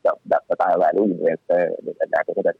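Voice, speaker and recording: A man talks through stock picks quickly, with restarts and fillers. His voice sits low and dry. It comes through a narrow, phone-like line with faint music under it. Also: creaky, breathy edge, no echo. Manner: animated, speaks fast with many restarts and fillers. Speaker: stock market guest analyst. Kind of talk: casual financial talk.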